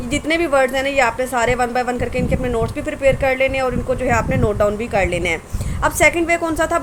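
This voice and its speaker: A woman teaching a grammar lesson, explaining in Hindi-Urdu and reading rules and word lists aloud slowly. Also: high voice, background noise. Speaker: English teacher.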